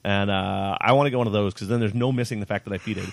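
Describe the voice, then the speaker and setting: A man's voice: lowish voice, fairly even intonation, fast, creaky, dry recording. A young man casually commentating his own tabletop battle, joking about his mistakes and laughing often. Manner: self-mocking, laughs often. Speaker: player narrating his own recorded game.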